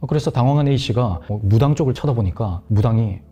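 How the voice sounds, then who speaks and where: A man telling a ghost story in a hushed, dramatic way on a horror talk show, sometimes dropping to a murmur. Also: mid-range voice, brisk, husky.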